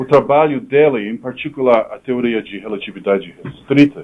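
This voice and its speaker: A man speaks with a non-native accent at a medium pitch. His pace is moderate. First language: not Portuguese (speaking Portuguese). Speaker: physics and philosophy professor. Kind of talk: lecture.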